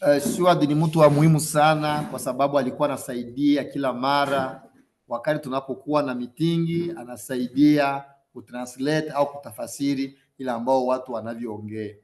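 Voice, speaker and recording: A man's voice: mid-range voice, fairly even intonation, fairly quick, darkish tone. A man works as an interpreter on a video call, steadily relaying each passage after the host. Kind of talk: interpreting a webinar.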